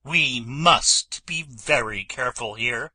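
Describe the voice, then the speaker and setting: A soft-hearted tin woodman speaks in a deep, slow, earnest voice with a raspy bright edge, as a woman reading a storybook puts him on. He sounds careful and kind. The sound is dry and close. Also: no room sound, heavily acted. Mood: gentle, cautious.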